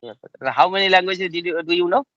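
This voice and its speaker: A man's voice: high-pitched, fast talker, sharp tone, no echo, muffled recording. A man interviewing a guest in a casual English practice conversation, polite and deferential and often addressing him as sir.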